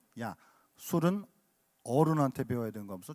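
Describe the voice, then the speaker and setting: The sound is dry and close with no echo as a man speaks at a fairly quick rate. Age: 40s. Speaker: pastor. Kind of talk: Bible study lecture. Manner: conversational, rhetorical questions.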